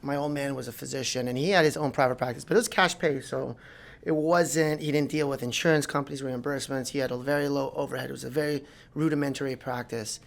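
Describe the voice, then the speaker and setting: A man in his forties from South Florida, a plastic surgeon talking casually as a podcast guest, animated and rambling with many restarts. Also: mid-range voice, fast, vocal fry. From South Florida, United States. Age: 40s. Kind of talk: casual interview talk. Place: podcast studio.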